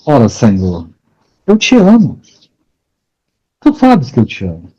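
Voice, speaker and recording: A remorseful, devoted Peter, as a preacher puts him on, pleading his love in a slow, mellow voice that climbs as the emotion swells. The recording is dull and lo-fi. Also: medium pitch, huge pitch swings, husky, full character voice. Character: apostle Peter, grown man, remorseful and devoted.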